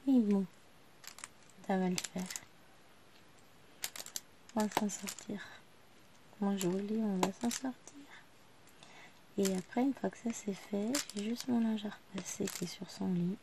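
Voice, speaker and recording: A woman's voice: mid-range voice, fairly even intonation, a little slow, long pauses, background noise. A woman in her thirties, a vlogger chatting casually to the camera while she works on a craft at home. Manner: chatty, talking quietly to the camera while working. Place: living room at home.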